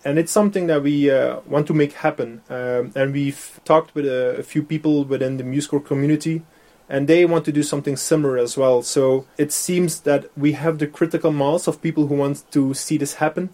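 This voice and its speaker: A man's voice: on the high side, fairly even intonation, a little fast, darkish tone. A man whose first language is Dutch, speaking English in a casual interview with many fillers and frequent laughs. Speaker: interview guest, software developer.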